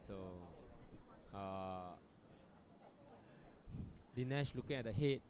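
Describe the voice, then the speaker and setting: Low-voiced Singaporean bowls commentator. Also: male voice, slow pace. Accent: Singaporean English. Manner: relaxed, chatty, with frequent fillers. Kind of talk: live sports commentary. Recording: lo-fi broadcast audio with background noise.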